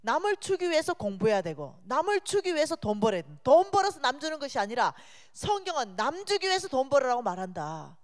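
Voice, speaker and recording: A woman giving a sermon as a guest speaker in a church, animated and chatty, joking with the congregation. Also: high voice, fast talker, few pauses. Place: church sanctuary. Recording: long reverb of a church hall.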